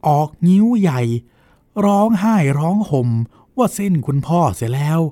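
A man's voice: sits high, measured pace, no echo, clean studio sound. A man reading a polite young nephew. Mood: deferential. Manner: deferential, recounting events with lively acted quotes. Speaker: reader voicing a character. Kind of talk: dramatized novel reading.

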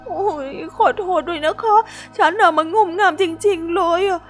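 Woman voicing a timid little hippo girl, soft and polite, always saying sorry, high voice, music faint behind. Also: normal speed. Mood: apologetic. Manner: polite, soft-spoken, apologetic. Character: shy young female hippo, gentle and apologetic. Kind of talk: storybook role-play.

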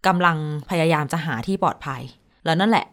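A woman radio host telling a news story in casual chat, animated when quoting. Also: lowish voice, quick pace.

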